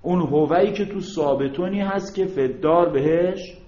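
Male teacher, fairly high voice, lecturing and quizzing his class; dull, roomy classroom recording. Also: dark tone. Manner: explains step by step, prompting students to fill in words; asks rhetorical check questions. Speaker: Arabic grammar teacher.

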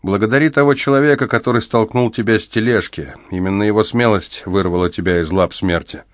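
A kind, reassuring older male prisoner, as a man puts him on for an audiobook, his words lifted higher than the reader's low, dry tone. He speaks gently and steadily, like someone caring for the sick. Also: fairly quick, no room sound, close to an everyday voice. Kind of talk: audiobook character voice.

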